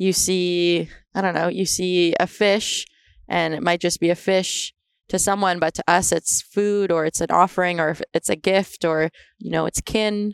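In a western Canadian accent, a woman with a fairly low pitch talks with fairly even intonation, the sound dry and close with no echo on a very clean recording with a silent background. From Squamish, British Columbia, Canada. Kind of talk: casual chat. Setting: outdoors.

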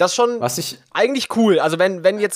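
A man speaks in a high pitch with an animated tone. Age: young. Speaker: podcast co-host. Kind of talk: casual chat.

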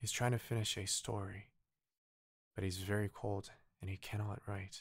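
In a very clean recording with a silent background, a man speaks fairly slowly with a fairly low pitch, a monotone, flat intonation, a soothing tone and a somewhat breathy quality. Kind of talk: bedtime story reading aloud. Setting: ASMR. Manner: soft, slow, soothing.

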